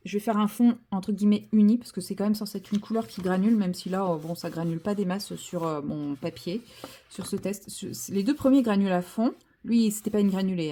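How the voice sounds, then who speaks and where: A chatty woman talks her way through a painting session, stopping and restarting her thoughts with plenty of filler words. Her voice is mellow and warm, never sharp. She keeps a casual, self-mocking tone. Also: mid-range voice. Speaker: vlogger. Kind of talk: casual chat while painting.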